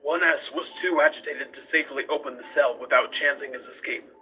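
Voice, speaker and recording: A man's voice: on the high side, brisk, sharp tone, slight background noise, poor audio. A man voicing a weary, detached skeleton scientist who narrates a formal journal in a comic dub. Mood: weary, clinical. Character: cold, clinical male skeleton scientist captor, weary, detached.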